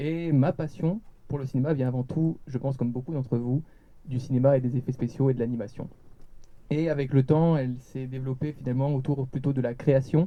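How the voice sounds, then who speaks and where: A man talks at a fairly quick pace in a plain, everyday voice. His pitch is medium and his intonation fairly even. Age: 20s. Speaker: 3D animation student. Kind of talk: conference talk.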